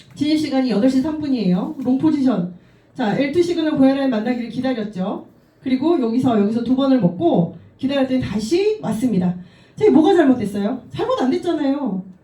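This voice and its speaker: An animated voice with very wide pitch swings moves at a fairly quick pace over noticeable background noise and audible room echo. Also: woman, high pitch for a woman. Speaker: trading instructor. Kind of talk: lecture. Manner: fast.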